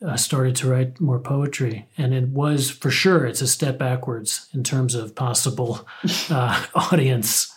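Man, interview guest, thoughtful, hesitant, restarts often, middle pitch. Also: steady tone, measured pace. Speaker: guest, playwright and poet. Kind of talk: casual interview chat.

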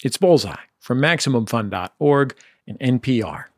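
A man hosting a radio interview show, asking questions in a measured, dry way and reading announcements. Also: medium pitch, lively intonation, faint music behind. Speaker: radio host.

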